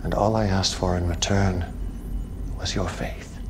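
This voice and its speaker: An actor playing a commanding, manipulative cult leader in a game cutscene, theatrical, measured and imperious. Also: male voice, sits low, fairly even intonation, background noise. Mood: cold regret.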